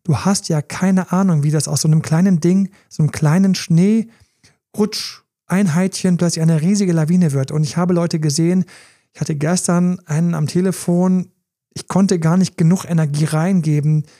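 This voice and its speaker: A man's voice: fairly high pitch, fairly even intonation, moderate pace, warm tone. A middle-aged man hosting a podcast as a relationship coach, talking casually and acting out inner voices as he tells stories.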